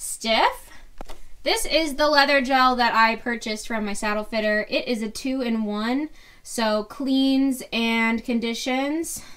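A woman with a high pitch speaks at a fairly slow pace with fairly even intonation. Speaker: horse barn manager vlogger. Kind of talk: casual vlog chat, product explanation. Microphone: phone near.

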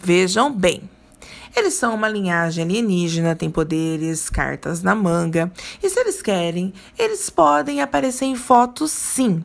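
A woman with an unremarkable speaking voice talks at a fairly slow pace and medium pitch, her intonation lively. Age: 40s. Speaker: YouTuber on paranormal topics. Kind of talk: Q&A monologue.

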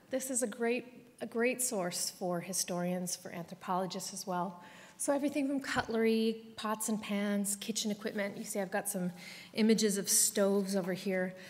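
With a Canadian accent, a woman speaks at a moderate pace. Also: ordinary pitch variation. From Canada. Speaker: professor. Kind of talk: lecture. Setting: stage with audience. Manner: animated. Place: hall. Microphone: podium.

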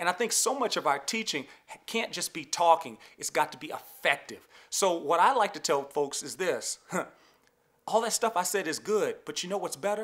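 A man with an American accent speaks at a moderate pace in a high pitch for a man, his intonation lively against a quiet background. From US South, Louisiana. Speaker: music educator, band teacher. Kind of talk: tutorial. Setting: studio. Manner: animated, energetic. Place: stage.

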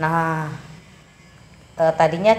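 Her pitch fairly low, this woman uses a normal speaking voice with ordinary pitch variation. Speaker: vlogger touring cafe. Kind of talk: casual vlog chat. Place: cafe. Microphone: phone near.

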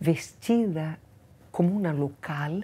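A woman's fairly low, dark and mellow voice with ordinary pitch variation and a Portuguese accent. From Brazil, Rio de Janeiro. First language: Portuguese (speaking Spanish). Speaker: diplomat's wife; guest. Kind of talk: interview storytelling. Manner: halting. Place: studio. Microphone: lapel.

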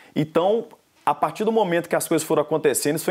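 Over a quiet background, a man talks with a fairly high pitch. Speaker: event presenter and announcer, talk-show guest. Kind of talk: interview answer, casual conversational talk. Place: studio. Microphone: lapel.

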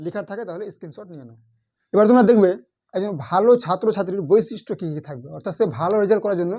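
A man's high voice has a dark, mellow tone and ordinary pitch variation. His loudness swings widely against a quiet background. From Malda, West Bengal, India. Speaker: online tutor. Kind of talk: course announcement to students.

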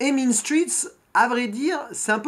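A man speaks at a very slow pace with a quiet background. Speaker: film reviewer, YouTuber; film reviewer. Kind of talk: unscripted monologue to camera. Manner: halting, with stumbles and fillers. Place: home room. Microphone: phone near.

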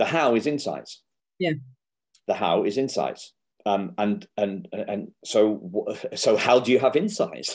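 A man speaks very slowly with a northeast English accent and vocal fry. His medium-pitched voice swings very widely in pitch. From northeast England. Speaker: podcast host. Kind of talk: casual interview conversation.

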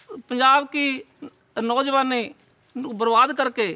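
A man projects a raised, extremely high voice with a bright, sharp tone and fairly even intonation. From Punjab. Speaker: village head. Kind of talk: interview.

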